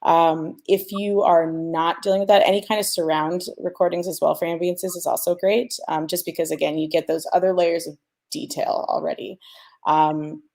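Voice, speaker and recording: A woman's voice: lowish voice, level tone, moderate pace, creaky, darkish tone. A woman giving an informal technical explanation as a sound designer, thinking aloud and checking in with the listener. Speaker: sound designer, panel speaker.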